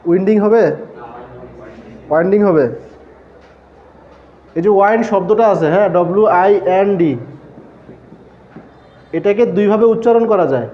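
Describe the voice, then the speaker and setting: A man's voice: sits high, normal speed, pauses often, dull audio, a little hiss or hum. A man teaching a classroom lecture, explaining step by step and asking the class questions that he answers himself. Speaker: textile engineering lecturer.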